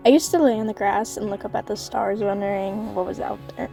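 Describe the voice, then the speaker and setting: A woman voicing a nostalgic yet blunt tribal-raised fighter in an amateur animated series. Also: medium pitch, a little fast, vocal fry, natural voice. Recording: slightly distant mic under faint music.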